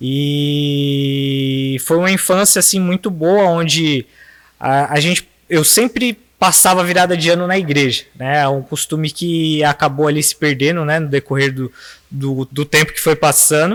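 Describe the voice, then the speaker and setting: A man's fairly high voice at a fairly slow pace, ordinary pitch variation, dry and close sound with no echo. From Brazil, São Paulo area (Santana de Parnaíba). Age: 30s. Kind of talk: casual interview, life testimony. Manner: halting, many fillers.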